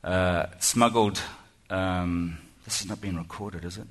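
A man's voice: low-pitched, fairly even intonation, unhurried, slight background noise. A man with a New Zealand accent giving a self-deprecating, chatty speech to an audience, full of ums and restarts. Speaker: guest speaker. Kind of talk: humorous keynote speech. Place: lecture hall before an audience.

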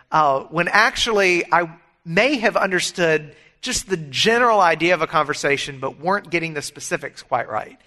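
With a bright voice pitched a little high and slightly raised, a middle-aged male pastor delivers his sermon. He is earnest and emphatic about the scripture, and personal stories come easily to him along the way.

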